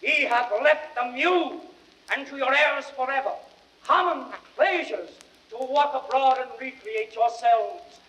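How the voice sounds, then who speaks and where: An actor playing a grieving Roman orator rousing a crowd in impassioned theatrical Shakespearean declamation. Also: male voice, very high voice, breathy edge, exaggerated voice, rough recording. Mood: triumphant, defiant. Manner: impassioned, drawn-out, swelling from hushed to shouted.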